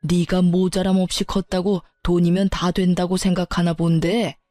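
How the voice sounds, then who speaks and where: A woman's voice: on the low side, flat delivery, moderate pace, mellow, dry recording, soft background music, lightly acted. A woman voicing an older father-in-law who berates his son with insults, in a dramatized story reading. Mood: stern.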